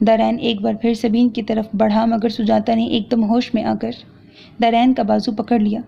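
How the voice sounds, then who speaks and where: A woman narrating a romance audio novel with steady, dramatic storytelling. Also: on the high side, vocal fry. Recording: dull lo-fi recording.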